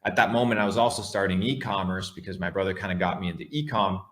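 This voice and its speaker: Crypto bro dude on a livestream, kinda deep voice, blunt and sweary, repeats stuff to drive it home. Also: male voice, fast talker, fairly bright tone. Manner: emphatic, repeats key words for effect; blunt, casually profane. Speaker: livestream host, online entrepreneur. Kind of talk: casual motivational livestream monologue.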